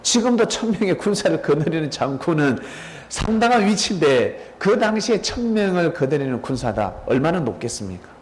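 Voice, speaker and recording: A male pastor giving a dramatic storytelling sermon, pausing to quiz listeners by name. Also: fairly high pitch, sing-song. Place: church sanctuary.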